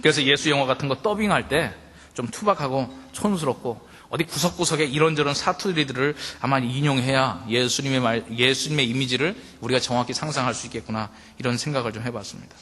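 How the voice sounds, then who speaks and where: A man's voice: medium pitch, fast, sharp tone, big-room sound. A male pastor giving a sermon in a conversational way, speaking directly to his congregation and asking them rhetorical questions.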